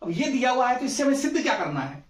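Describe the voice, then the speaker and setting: A man teaches maths at a board, talking through each step and stopping to check that his students follow. His voice sits high for a man. He sounds distant from the mic, and the room gives a clear echo. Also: very animated, fast talker. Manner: explains step by step, asks "समझ में आई बात?". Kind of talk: blackboard maths lesson.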